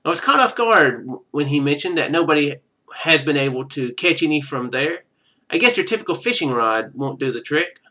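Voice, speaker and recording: Male streamer as ruined trader narrating his game journal: earnest, bright, animated, slightly high. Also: brisk, exaggerated voice. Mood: earnest, hopeful. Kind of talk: reading a journal aloud in a game.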